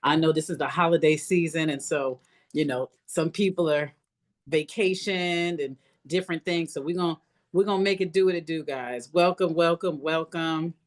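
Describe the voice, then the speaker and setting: A woman's voice: low-pitched, normal speed. Emphatic woman coach hosting a live webinar. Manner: emphatic, repeats phrases for encouragement. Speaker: business coach hosting an online masterclass. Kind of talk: live motivational webinar talk.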